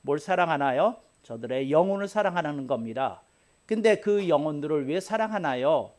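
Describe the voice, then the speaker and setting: A man's voice: on the high side, lively intonation, moderate pace, a little mellow. A man pastor giving a sermon in an earnest, conversational way, often repeating key phrases for emphasis.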